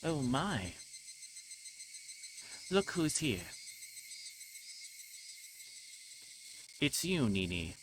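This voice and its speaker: A man's voice: medium pitch, very animated, slow, background noise, pitched above the performer's own voice. A man reading the part of a stubborn, mischievous young girl from a visual novel. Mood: mischievous, teasing.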